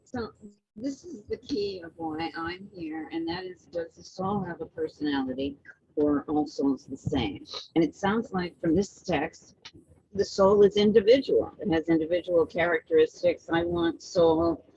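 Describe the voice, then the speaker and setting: Student asking stuff in class, lively up-down voice, gravelly, muffled lo-fi audio w faint hiss. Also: medium pitch, normal speed. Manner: curious, probing questions. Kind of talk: question from class audience. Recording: dull lo-fi classroom recording.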